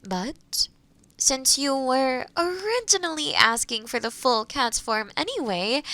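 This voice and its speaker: A woman playing a kind forest witch in a roleplay audio drama, explaining things gently and thoughtfully to the listener. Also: high voice, full character voice. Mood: wryly amused.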